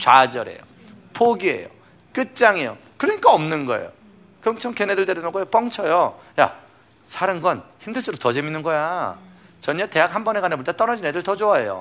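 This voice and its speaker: This man's voice is high-pitched, with lively intonation and a fairly quick pace. He leaves long, frequent pauses. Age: 40s. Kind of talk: sermon-style lecture to a studio audience. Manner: animated.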